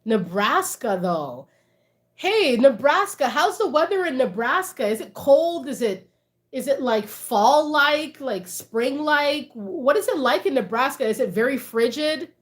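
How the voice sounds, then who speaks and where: A woman's voice: high voice, sing-song, unhurried. A woman, chatting casually with livestream viewers, reading out their comments and laughing often. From Canada. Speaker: livestream host.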